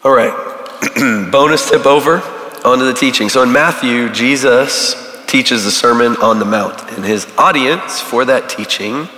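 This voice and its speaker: A man, a church volunteer giving a casual teaching to a recovery group, halting with many fillers while he is losing his voice. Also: medium pitch, sharp tone. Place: large church hall. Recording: echoey hall with long reverb.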